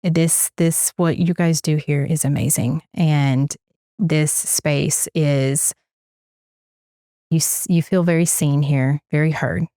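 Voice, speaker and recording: Young mom, interview guest, low smooth voice, earnest, repeats herself a bit. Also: female voice, fairly even intonation, takes it slowly, mellow, dry recording, studio quality. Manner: earnest, repeats words while searching for them. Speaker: guest, parent of a toddler. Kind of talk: candid interview testimonial.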